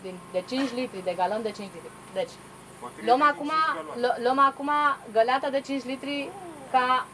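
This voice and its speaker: A woman's voice: high-pitched, pushed and bright, rough recording. A woman interpreting a seminar aloud, hesitating and restarting as she translates. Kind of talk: consecutive interpreting.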